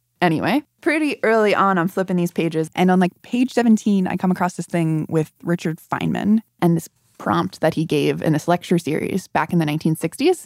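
A woman with a plain, everyday voice and a fairly low pitch talks at a moderate pace. Her pitch varies in an ordinary way, and the sound is dry and close with no echo. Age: 20s. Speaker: radio producer. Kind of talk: casual chat.

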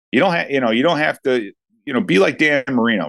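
Speaking very fast with an American accent, a man with a fairly high pitch uses lively intonation in a dry, close sound with no echo. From Chicago, US Midwest. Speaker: NFL radio analyst, former player. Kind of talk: sports interview. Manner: halting, many fillers and restarts.

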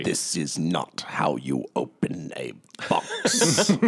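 A man does a put-on character voice at a very slow pace. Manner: flattering, coaxing, tempting.

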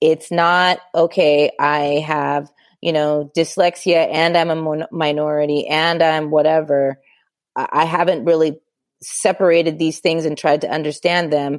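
A woman with a Californian accent and a very deep, low pitch at a fairly slow pace, in a very clean recording with a silent background. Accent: Californian American English. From Southern California. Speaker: psychologist. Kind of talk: interview. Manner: animated.

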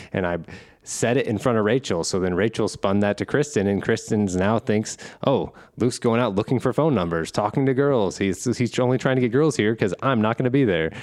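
A man's normal speaking voice, medium in pitch, at a fairly quick pace with ordinary pitch variation, very even loudness and a quiet background. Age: 30s. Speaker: podcast co-host. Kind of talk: casual chat.

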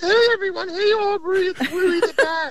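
An extremely high, put-on character voice with a cheerful tone at a moderate pace. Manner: cheerful, cartoonish.

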